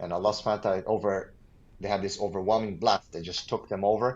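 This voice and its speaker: A man speaks with a Romanian accent. His pitch is fairly low and his pace very fast. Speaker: Islamic scholar. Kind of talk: religious discussion.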